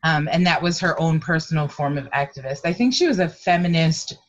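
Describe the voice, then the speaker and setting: A middle-aged woman, a guest on an interview show, talking in a hesitant, thoughtful way with many pauses and ums. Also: sits low, lo-fi sound. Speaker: guest, activist. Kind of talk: conversational interview.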